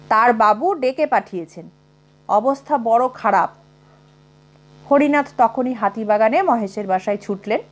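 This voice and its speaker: A woman narrating a humorous short story in an expressive, dramatic audiobook style. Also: on the high side. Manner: expressive, with wide rises and falls.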